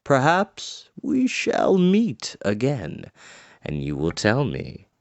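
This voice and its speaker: A man voicing a wise, solemn old white-bearded guide from a storybook, speaking gravely and deliberately. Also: medium pitch, huge pitch swings, no room sound, heavily acted. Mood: solemn farewell.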